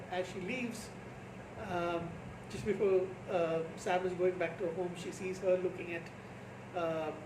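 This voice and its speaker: With audible room echo and noticeable background noise, a man with a Keralan accent speaks at a moderate pace in a high pitch with monotone, flat intonation. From India (Kerala). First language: Malayalam. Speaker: movie reviewer. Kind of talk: casual movie review. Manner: hesitant, many fillers.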